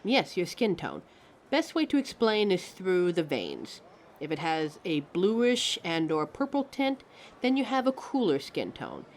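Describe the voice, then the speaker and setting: A woman's voice: fairly low pitch, wildly swooping pitch, a little slow, a little hiss or hum, full character voice. A woman voicing a pompous, theatrical living mannequin who lectures the listener as a fussy fashion expert in a scripted roleplay. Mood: patient, instructive. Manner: pompous, affected, instructive, calls listener darling.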